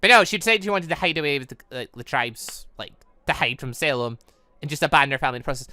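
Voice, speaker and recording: A man reading a visual novel aloud and commenting off the cuff, often stumbling and correcting himself as he rambles excitably. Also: a little high, fast, dry recording, studio quality. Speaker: gaming channel host.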